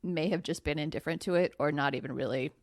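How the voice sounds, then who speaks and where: A woman's voice: low-pitched, quick pace, dry recording. A woman in her late thirties, a guest on a casual podcast chat, telling stories in a giggly, self-conscious way. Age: 30s.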